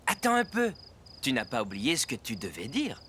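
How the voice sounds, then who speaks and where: A man's voice: mid-range voice, huge pitch swings, normal speed, fairly bright tone, a little hiss or hum. A man playing a friendly, encouraging, playful father in a French children's cartoon, coaxing his young son along.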